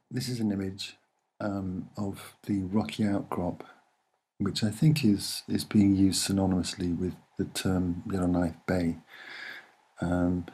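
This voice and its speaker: Soft-spoken, slow man with a low voice. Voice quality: soft-spoken, slightly husky. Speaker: online video presenter. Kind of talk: soft-spoken explanatory commentary on images.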